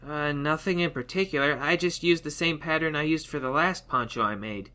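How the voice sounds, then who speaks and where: An anxious, earnest young crafter played by a woman in an audio comedy, hesitant and timid. The voice is low for a woman yet bright and tense, on a slightly dull microphone. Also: brisk. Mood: unsure, earnest. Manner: hesitant, nervous. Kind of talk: audio fiction comedy acting. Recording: dull, band-limited microphone sound.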